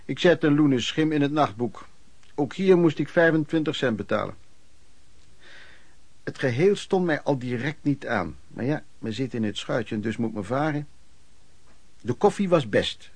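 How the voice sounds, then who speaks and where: Radio play narrator: wry travelling hawker, plain-spoken, mid-range voice, dry sound. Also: male voice, medium pitch, lively intonation, normal speed, pauses often, darkish tone, husky, dry recording. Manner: colloquial, matter-of-fact storytelling. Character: plain-spoken male pedlar recounting his wanderings, wry. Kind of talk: dramatised first-person narration.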